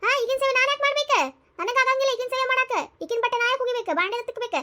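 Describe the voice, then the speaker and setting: Woman doing a squeaky shrill old mother-in-law, north karnataka kannada accent, sarcastic and bossy, talks super fast. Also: pushed and bright. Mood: defiant. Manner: shrill, sarcastic, defiant scolding. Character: sharp-tongued sarcastic mother-in-law, older village woman. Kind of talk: cartoon comedy dubbing.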